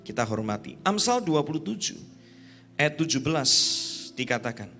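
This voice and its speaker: A man preaching a sermon at a youth conference, emphatic, with sudden high exclamations. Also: very animated, moderate pace, a bit bright, soft background music.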